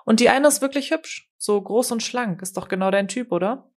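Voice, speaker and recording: A woman's voice: fairly high pitch, moderate pace, darkish tone, pitched above the performer's own voice, natural voice. A woman voicing an eager, pushy young man who coaxes his friend out to party. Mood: coaxing.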